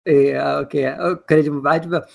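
Fast-talking gravelly man. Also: on the high side, fairly even intonation. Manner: rapid, rambling with many fillers. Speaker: podcast co-host. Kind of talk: casual chat.

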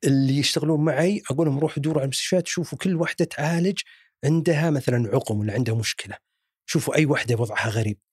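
A man's voice: fairly high pitch, very fast, slightly rough, dry recording, studio quality. A man with a Saudi accent voicing a driven male investigator in a told story. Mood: determined.

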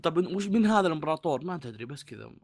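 A fast-talking man, his voice a little high. He co-hosts a relaxed podcast chat. He jokes at his own expense and trails off whenever he is unsure. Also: slight background noise. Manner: joking, self-deprecating, trails off when unsure. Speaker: podcast co-host. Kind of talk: casual chat.

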